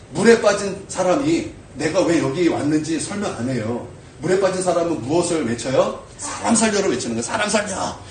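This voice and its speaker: Male pastor, animated sermon delivery, higher voice, distant and roomy church sound. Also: a little hiss or hum. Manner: animated preaching with frequent rhetorical questions. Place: church sanctuary. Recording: echoey church from afar.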